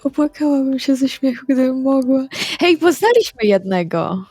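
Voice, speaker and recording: Female RPG player, higher register, playful casual roleplay, background music. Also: very animated, moderate pace, dark tone, no echo. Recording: music behind the voice.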